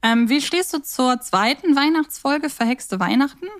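A woman's voice: high-pitched, lively intonation, moderate pace. A woman co-hosting a podcast, chatting casually. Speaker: podcast co-host. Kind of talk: casual chat about audio drama episodes.

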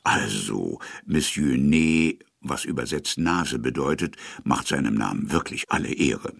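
Wry storybook narrator, super gravelly, big swings in his delivery. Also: dry recording, studio quality, full character voice. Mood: wry, measured. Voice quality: gravelly, very deep. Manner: deliberate, expressive storytelling. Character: leisurely male storybook narrator with wry touches. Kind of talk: scripted audio drama narration.

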